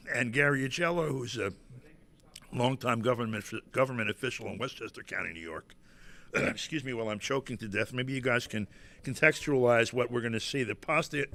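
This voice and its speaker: A man hosting a live on-site interview at a convention in a hotel, speaking haltingly with frequent fillers and clearing his throat. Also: mid-range voice, a bit bright. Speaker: show host.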